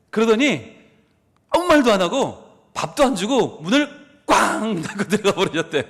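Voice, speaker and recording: Gyeongsang-accented male pastor, high voice that swings widely, storytelling sermon in a reverberant church hall. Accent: Busan Gyeongsang. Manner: animated storytelling, acts out the people in his story. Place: church sanctuary.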